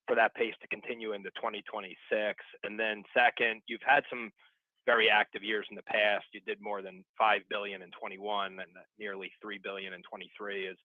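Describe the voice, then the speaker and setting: Low-voiced male analyst on tinny phone. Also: dry recording. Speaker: financial analyst. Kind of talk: earnings call questioning. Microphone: telephone. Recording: dry, tinny phone line.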